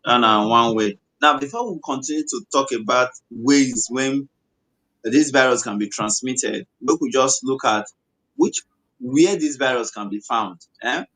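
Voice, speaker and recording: A man with a West African accent teaches about health in Pidgin English at a middle pitch. His delivery is halting, with repeated phrases and little tags to check the listener follows. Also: a bit bright, rough recording. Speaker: medical doctor and co-host.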